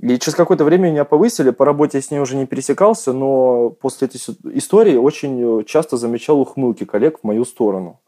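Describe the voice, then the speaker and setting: Talking at a very fast pace, a man with a fairly high pitch has a dark, mellow tone and lively intonation. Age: 20s. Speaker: listener sending a question. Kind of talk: recorded voice message telling a personal story.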